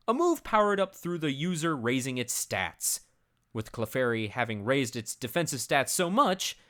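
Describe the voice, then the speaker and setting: Dramatic storyteller voice, super animated pitch, reading a funny story all serious and theatrical. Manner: theatrical, grave storyteller delivery. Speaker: narrator.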